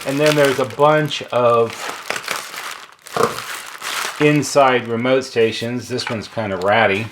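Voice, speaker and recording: A man's voice: mid-range voice, steady tone, unhurried, noisy background. A man talking casually and unscripted as a repair technician, explaining hardware and thinking aloud as he handles it. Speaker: intercom repair technician presenting equipment. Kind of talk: casual unscripted hands-on product walkthrough.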